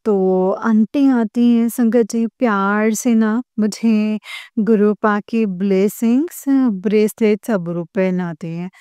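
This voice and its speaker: A woman's voice: medium pitch, steady tone, slow pace, dark tone, smooth, no echo. A young woman earnestly retelling a personal devotional experience to fellow believers, full of emotion and quoted back-and-forth. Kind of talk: heartfelt personal testimony.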